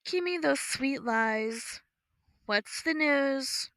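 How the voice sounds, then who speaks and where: A woman plays a calm blind young woman who answers everything with unbothered, deadpan wit. She speaks slowly, a little high, with a crisp, bright edge, close and dry. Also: no echo, full character voice.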